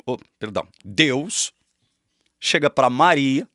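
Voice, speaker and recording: A man preaching Reformed doctrine with strong emphasis, repeating key phrases. His pitch rises and falls widely from line to line. The sound is dry and close, with no room echo. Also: expressive, slow, a bit bright. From Brazil. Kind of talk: doctrinal teaching talk.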